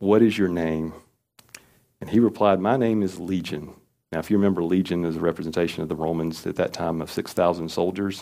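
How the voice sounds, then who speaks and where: A man with a Southern US accent speaks in a very deep, low voice with a dark, mellow tone and fairly even intonation. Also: very clean recording, silent background. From US South, upstate South Carolina. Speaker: church elder, lay preacher. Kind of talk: sermon. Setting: church.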